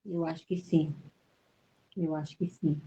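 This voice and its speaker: Woman telling a story vividly, mellow and muffled. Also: low-pitched, level tone, unhurried, creaky. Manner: vivid storytelling, acts out quoted voices, repeats words. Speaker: interview guest, sensitive. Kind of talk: storytelling in an interview.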